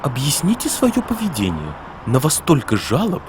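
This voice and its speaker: A man's voice: fairly high pitch, wildly swooping pitch, moderate pace, noisy background. A man voicing an officious road patrol guardian in a children's cartoon, teaching with emphatic delivery. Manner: emphatic, didactic. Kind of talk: children's educational cartoon acting. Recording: music behind the voice.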